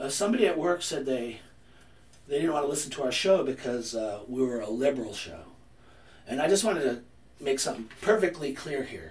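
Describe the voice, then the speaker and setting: A man's fairly high-pitched voice with lively intonation. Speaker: podcast co-host. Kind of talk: casual chat. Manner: loud at times.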